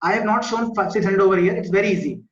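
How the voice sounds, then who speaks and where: This fast-talking man has a high voice and a South Asian accent as he teaches an online school maths class. He works step by step, repeats himself often, and uses short questions to check students understand. The indoor online video class audio is muffled and echoey.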